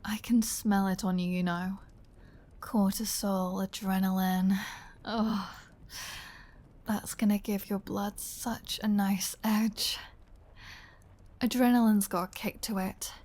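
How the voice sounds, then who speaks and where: Actress as a flirty female vampire, unhurried pace, mid-pitched, playful menace, sardonic teasing, intimate ASMR roleplay delivery. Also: steady tone, darkish tone. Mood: menacing, seductive. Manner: teasing, sardonic, drawling, drops into breathy whispers. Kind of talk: ASMR audio roleplay, intimate scripted acting.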